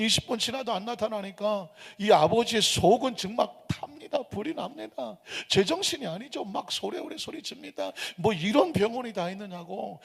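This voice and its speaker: A man preaching to his congregation, pressing his points with questions and vivid retelling. His voice sits high for a man and carries a gravelly rasp. The sound rings out with the long reverb of a church sanctuary. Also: fairly bright tone. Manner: emphatic storytelling preacher, rhetorical questions to the congregation. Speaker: pastor. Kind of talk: Sunday sermon.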